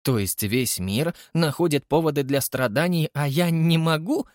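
A man's voice: on the high side, normal speed, no room sound, clean studio sound, voice pushed up, lightly acted. A man voicing a vain, eccentric male artist who talks dramatically and indignantly, in an audiobook reading. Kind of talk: audiobook character voice.

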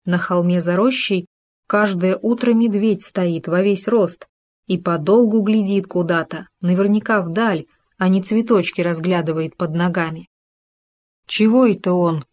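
A woman narrating a children's story in a calm, even storytelling manner. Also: on the low side, unhurried. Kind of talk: audiobook story reading.

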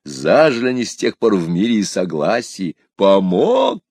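Expressive male folk-tale storyteller. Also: lowish voice, normal speed, slightly rough, no room sound, clean studio sound.

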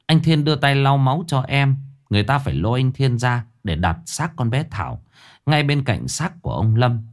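A man tells a ghost story with dramatic, expressive flair, his mid-range voice moving at a moderate pace.

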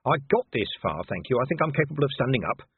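A man voicing a weary, blunt middle-aged male watch commander in an audiobook, with sarcastic, gruff delivery. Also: mid-range voice, big pitch swings, fast, no room sound, full character voice. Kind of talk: audiobook character voice. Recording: dry, narrow phone-like sound.

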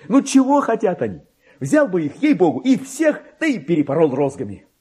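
An actor gives a theatrical radio monologue as a lowly, self-important, excitable government clerk reading his diary aloud. His exaggerated, husky voice is excited and indignant, full of exclamations, swinging from hushed muttering to shrill rapture.

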